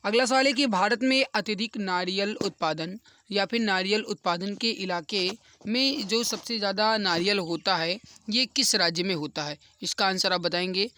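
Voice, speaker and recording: A man's voice: sits high, moderate pace, pushed and bright. A man explaining quiz questions as an exam coaching teacher, repeating key answers for emphasis.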